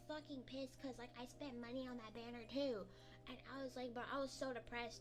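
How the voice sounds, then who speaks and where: In an animated tone, a woman speaks at a high pitch. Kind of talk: casual talk to camera, livestream chatting. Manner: excitable, animated, swearing casually.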